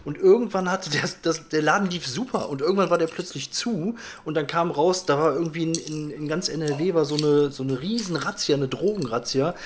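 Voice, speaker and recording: Ein Mann, der im Podcast ruhig und etwas stockend eine Anekdote über ein Restaurant erzählt. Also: male voice, on the high side, a little fast, hardly any pauses, slight background noise. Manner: relaxed, hesitant narration with restarts. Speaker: podcast co-host. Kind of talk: casual storytelling chat.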